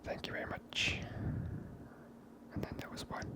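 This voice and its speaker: Casting: hushed ASMR game streamer, whispered delivery throughout, unvoiced and soft. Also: normal speed.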